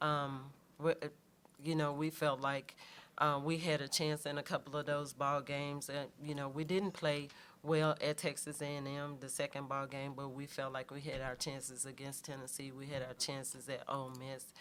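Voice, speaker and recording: This woman's voice sits very deep and low in pitch, delivered with monotone, flat intonation. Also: moderate pace. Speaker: college basketball head coach. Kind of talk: press conference. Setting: press room after game.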